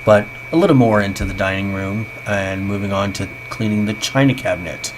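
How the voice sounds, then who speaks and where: A man's voice: lowish voice, fairly quick. A man in his thirties narrating a casual, chatty, self-deprecating vlog voice-over on a basic home microphone, sounding tinny, as if through a tin can. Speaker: vlogger. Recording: tinny home voice-over, clear background noise.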